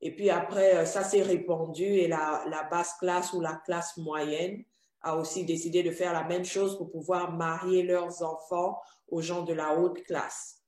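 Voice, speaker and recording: A Christian channel interviewer who speaks gently and calmly, comforting the guest and then explaining some research. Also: medium pitch, unhurried. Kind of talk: conversational interview. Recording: echoey room.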